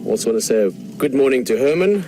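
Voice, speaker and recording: A man's voice: mid-range voice, expressive, fast. Safari guide, South African man, Afrikaans first language, chatty and keen, outdoor noise with birds and engine behind. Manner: enthusiastic, chatty, answering viewer questions. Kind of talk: live safari commentary. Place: outdoors, open game-drive vehicle in the bush.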